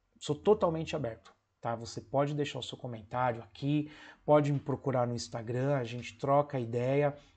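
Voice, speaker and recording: A man with an ordinary speaking voice talks at a moderate pace and a fairly high pitch. His pitch varies in an ordinary way while his loudness swings widely. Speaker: geography teacher and educational YouTuber; geography teacher, educational YouTuber. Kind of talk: tutorial. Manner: casual, conversational. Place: home room.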